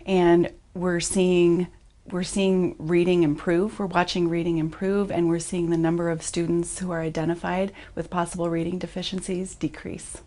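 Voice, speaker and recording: A woman speaks as a district leader in a measured way. Her voice is lowish and mellow and stays level. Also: flat delivery. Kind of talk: interview answer.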